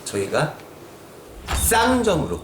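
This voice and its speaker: A man's voice: fairly high pitch, wildly swooping pitch, takes it slowly, reverberant, background noise. A male shaman host who earnestly explains the plan for the session.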